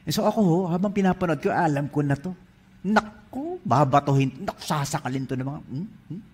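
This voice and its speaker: Husky Filipino-accented man preaching. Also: fairly high pitch, brisk. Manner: animated storytelling, switches between English and Filipino. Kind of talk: sermon.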